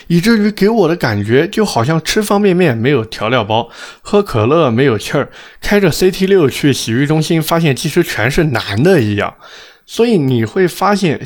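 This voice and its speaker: A man hosting a car review show, speaking with slightly slurred, thick-tongued diction in a blunt, sarcastic, opinionated manner. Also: a little high. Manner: blunt, sarcastic, rhetorical questions. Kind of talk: opinionated car commentary to audience.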